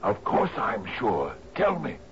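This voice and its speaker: An actor playing a grief-stricken sea captain in a 1970s radio drama, halting and repeating his words in disbelief. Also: lowish voice, huge pitch swings, a bit bright, full character voice. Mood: shocked, anguished. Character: grief-stricken male sea captain, devoted widower, anguished and commanding. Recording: dull noisy vintage radio broadcast.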